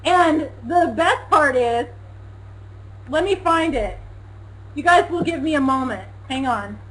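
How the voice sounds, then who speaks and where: A young woman co-hosting a casual talk show, loud and animated, often laughing and mocking. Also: high-pitched, takes it slowly, poor audio. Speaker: co-host.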